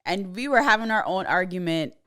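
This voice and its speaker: A woman's voice: lowish voice, animated, a little fast, a bit bright, smooth. A woman co-hosting a casual podcast, easygoing and playful, laughing often. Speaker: podcast co-host.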